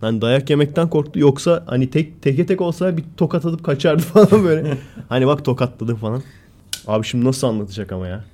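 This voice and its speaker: A man co-hosts a relaxed podcast conversation. His voice is warm and mellow, at a middle pitch. He tells stories with gusto, jumping up in pitch and volume when he acts out people shouting. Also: quick pace. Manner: animated storyteller, acts out quoted shouting. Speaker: podcast co-host. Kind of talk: casual chat, storytelling.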